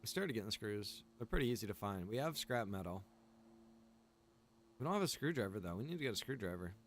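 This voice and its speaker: A lowish, expressive male voice with a fairly bright tone chats fairly quickly on a livestream of a survival roleplay game. He's casual and laid-back, joking and laughing often, with a little hiss or hum in the audio.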